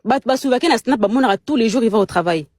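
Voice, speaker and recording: Her slightly high, somewhat mellow voice rushes along with lively intonation as this young Congolese guest on a live chat speaks French with a Congolese accent. The casual exchange is heated, she stumbles over repeated words in her emphatic indignation, and the sound is dry, clean studio audio.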